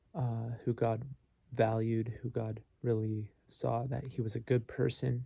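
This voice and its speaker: Quiet and somewhat breathy, a man with a dark, mellow, medium-pitched voice speaks very slowly in a flat monotone. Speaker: bible teacher. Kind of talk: casual bible talk. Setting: quiet place. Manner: quiet, kept voice down; halting, many fillers.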